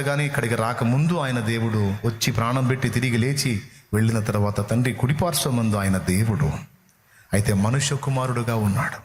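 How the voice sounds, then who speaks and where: A man's voice: on the low side, slight background noise. A male pastor preaching a sermon in a dramatic storytelling manner, acting out dialogue. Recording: roomy echo. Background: faint music.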